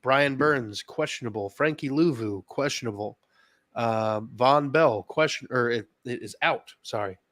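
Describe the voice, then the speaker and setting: A man's voice: mid-range voice, a little slow, fairly bright tone, no room sound. Laid-back Southern man, dry close sound. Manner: laid-back, reads injury lists with hesitations. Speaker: podcast co-host. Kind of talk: casual sports chat.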